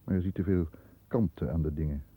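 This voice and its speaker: An actor playing a stern, disdainful middle-aged lawyer who narrates his own thoughts in a measured way in a 1960s radio drama, heard on a muffled old recording. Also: extremely low pitch, warm tone, breathy edge, dry recording. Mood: reflective, severe. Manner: measured, introspective first-person narration.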